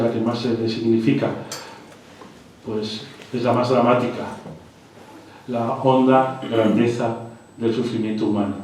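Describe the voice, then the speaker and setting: A man's voice: lowish voice, darkish tone, slight background noise. Male lecturer, hesitant and repetitive delivery, distant mic in a very echoey hall. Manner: hesitant, with repeated words and restarts. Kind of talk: live literary lecture.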